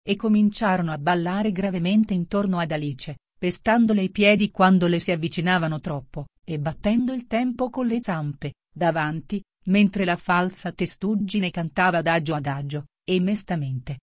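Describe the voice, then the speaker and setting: Woman with a lowish voice, reading a storybook. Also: normal speed, hardly any pauses, no echo, studio quality. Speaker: audiobook narrator. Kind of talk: scripted storybook narration.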